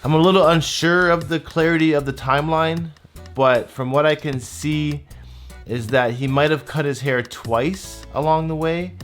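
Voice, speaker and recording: A man in his thirties giving a casual review in a measured, laid-back way. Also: a little high. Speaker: YouTube host. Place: small home room with desk and shelves, indoors. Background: guitar music.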